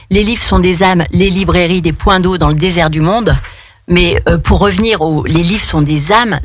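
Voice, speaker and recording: A woman's voice: fairly low pitch, no room sound. A woman hosting a conversational cultural radio interview, feeling her way through rephrasings as she speaks. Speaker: radio host.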